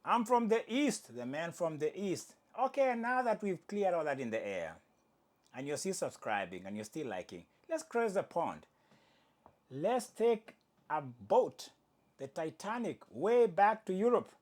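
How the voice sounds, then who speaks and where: A man whose first language is Swahili hosts a casual sports commentary show, joking and correcting himself as he goes. He's animated, with a high-sitting voice and an unhurried delivery.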